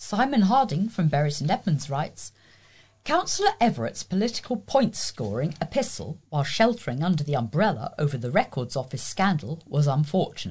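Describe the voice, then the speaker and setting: Somewhat breathy woman's voice with a British accent, very deep and low, very wide pitch swings, fairly quick pace, quiet background. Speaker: volunteer news reader. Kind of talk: news reading.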